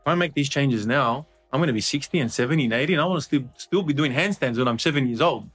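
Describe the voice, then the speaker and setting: A man's voice: medium pitch, fast talker, a bit bright, husky, faint music behind. A man, a company founder telling his story as a podcast guest, earnest with frequent restarts. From Australia. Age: 40s. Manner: earnest, many restarts and fillers. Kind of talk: casual interview chat.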